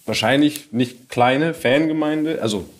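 A man's voice: mid-range voice, unhurried. A man, hosting a podcast interview in a casual, chatty style. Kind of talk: casual chat.

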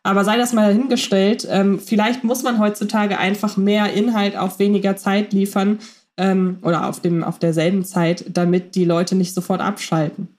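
A woman's voice: medium pitch, level tone, normal speed, a little mellow. A woman co-hosting a podcast, talking thoughtfully and analytically with some fillers. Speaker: podcast co-host. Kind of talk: casual chat.

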